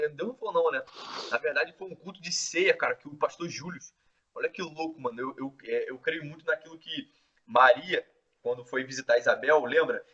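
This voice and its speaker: A man casually telling his testimony in an excitable, slangy way, full of filler words. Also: fairly high pitch, breathy edge. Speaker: host sharing his testimony. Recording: distant, dull lo-fi mic.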